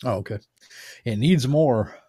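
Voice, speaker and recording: A man's voice: medium pitch, a little slow, warm tone, husky, dry recording, clean studio sound. A man hosting a gaming livestream, chatting casually while he plays. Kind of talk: casual chat while playing a golf game. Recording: background noise with keyboard clicks.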